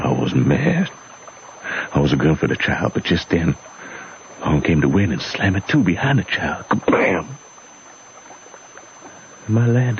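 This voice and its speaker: An actor playing a gentle, sorrowful runaway father in an old radio drama, speaking a folksy Southern US rural dialect. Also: low voice, exaggerated voice. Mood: anguished. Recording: muffled, faintly noisy old radio recording.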